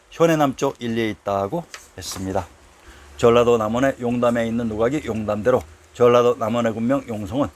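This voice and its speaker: A man giving scripted narration for a history lecture series, reading out headings and citations in a measured, recited way. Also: mid-range voice.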